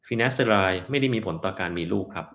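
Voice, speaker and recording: A man with a fairly low voice hosts a casual live-stream Q&A as a doctor, answering viewers' health questions. He talks in a blunt, offhand way and sometimes drifts into mocking asides. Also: normal speed, a bit bright. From Thailand.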